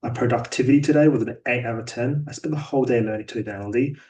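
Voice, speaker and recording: A man giving a daily sales progress report in a flat, somewhat robotic, monotone delivery. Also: medium pitch, quick pace. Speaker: sales rep vlogger. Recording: voice a bit distant from mic.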